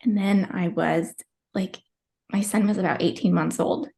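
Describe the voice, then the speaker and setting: Her voice sits at a medium pitch with a steady, warm, creaky tone, and she talks at a normal speed. She's a woman in her twenties appearing on a podcast to recount her own birth story, chatty and emotional, full of fillers and "likes," sometimes close to tears.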